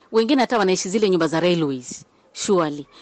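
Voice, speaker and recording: This woman speaks at a fairly low pitch. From Kenya, Mombasa coast. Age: 50s. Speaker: resident interviewed on the street. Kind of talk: vox pop interview.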